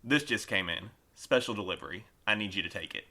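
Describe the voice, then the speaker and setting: A man's voice: on the low side, lively intonation, a little fast, sharp tone, heavily acted. A man playing a stern, long-suffering post office boss in an audio drama, speaking curtly. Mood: curt, weary.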